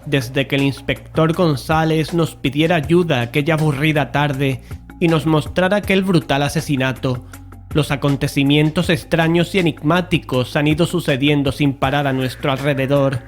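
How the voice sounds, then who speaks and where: An actor with an accent from Spain playing a self-assured, conceited investigator, speaking formally and precisely in an audio drama. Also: male voice, a little high, steady tone, normal speed, faint music behind, close to an everyday voice. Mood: grave, reflective. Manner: formal, pompous, precise wording. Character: Mario, self-assured, conceited male investigator leading his friends. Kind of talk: Spanish audio drama acting and first-person narration.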